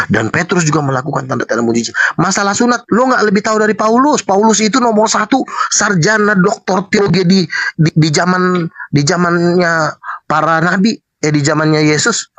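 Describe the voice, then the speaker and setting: A man's voice: high voice, fairly bright tone, no echo. A man arguing heatedly in a debate, combative and preachy, with slangy street talk.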